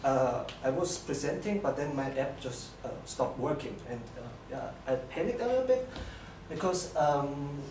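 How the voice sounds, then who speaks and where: A young man with an Austrian accent gives a live technical presentation in a halting, hesitant way. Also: mid-range voice, animated. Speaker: bootcamp graduate presenting a project. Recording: echoey room, distant mic, noisy.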